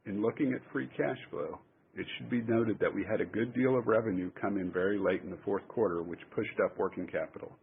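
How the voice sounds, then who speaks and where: A man speaking as a company executive, formally reading a scripted financial presentation in a measured way over a conference call phone line. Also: lowish voice. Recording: tinny phone line with clear noise.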